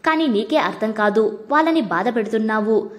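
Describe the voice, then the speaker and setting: Storybook friend, frank and probing, caring underneath, read by a woman in a fairly high voice. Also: lively intonation, moderate pace, lightly acted. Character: caring close woman friend, blunt and teasing.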